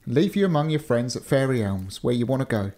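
A man playing a blustering, booming young giant. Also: lively intonation, fast, lightly acted. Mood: grumbling. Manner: loud, imperious, exclamatory.

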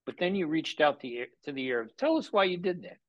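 A man hosting a radio interview, leading his guest with questions and setting the scene for listeners. His voice sits a little high for a man, and it sounds dry, with almost no room in it. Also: big pitch swings, brisk, dry recording, dull audio. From USA. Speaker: radio show host.

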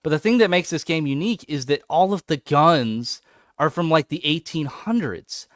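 A man's voice: a little high, normal speed, no echo, clean studio sound. A man co-hosting a podcast in casual chat, talking with growing enthusiasm. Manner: enthusiastic, animated when excited. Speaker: podcast co-host.

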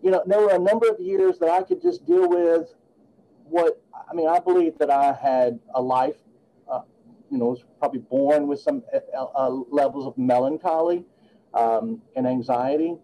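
Late-fifties male attorney guest, earnest and measured, deep mellow tone. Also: fairly even intonation, a little hiss or hum, low-quality recording. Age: 50s. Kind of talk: podcast interview.

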